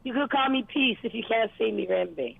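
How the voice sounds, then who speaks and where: A woman's voice: a little high, animated, moderate pace, gravelly, slightly rough. A woman from Uganda calling into a radio show, patiently repeating and spelling out her words. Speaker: caller. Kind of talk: phone-in chat. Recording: tinny phone line.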